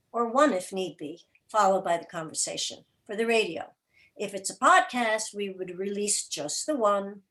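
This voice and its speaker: A woman answering as an interview guest, explaining things deliberately and emphatically in short, broken phrases. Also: medium pitch. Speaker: guest, radio drama and podcast producer.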